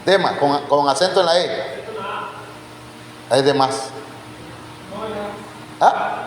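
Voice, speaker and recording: Preaching a Bible teaching sermon in a church hall, a man with a slightly high voice draws out his words, asks his congregation questions and calls them brothers. The hall echoes, with faint background noise and crowd sounds.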